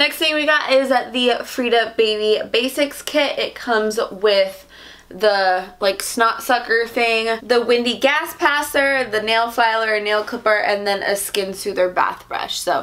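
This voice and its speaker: A woman speaks at a fairly slow pace. Her pitch shows ordinary variation. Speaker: vlogger. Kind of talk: casual vlog chat. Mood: cheerful, chatty. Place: home room. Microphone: camera far.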